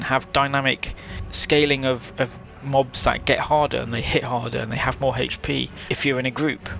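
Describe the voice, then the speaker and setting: A man's voice: mid-range voice, gravelly, fairly bright tone. A man giving emphatic, opinionated commentary on an online game as a video host. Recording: music behind the voice. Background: music.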